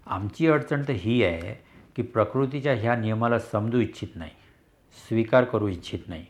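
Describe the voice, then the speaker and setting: Man teacher, lowish voice, measured repetitive sermon delivery. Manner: measured, repetitive rhetorical phrasing. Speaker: spiritual teacher. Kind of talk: dharma discourse.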